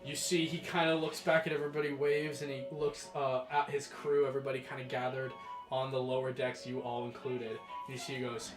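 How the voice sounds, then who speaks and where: A man's voice: mid-range voice, little pitch movement. Rambling young male game master. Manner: rambling, many fillers, quick bursts. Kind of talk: narrating a tabletop game. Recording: echoey room with music behind.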